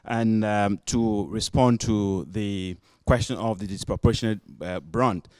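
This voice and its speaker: A man from Ghana with a Ghanaian accent, giving a measured, step-by-step spoken comment from the audience at a panel discussion. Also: fairly low pitch, a little mellow, no room sound, clean studio sound. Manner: measured, illustrative storytelling. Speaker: audience member. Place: conference room.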